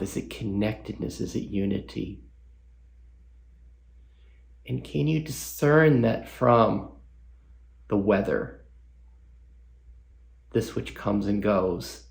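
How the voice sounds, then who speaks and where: A man leading a guided meditation as a guest teacher, speaking gently with long pauses and reflective questions. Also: on the low side, creaky.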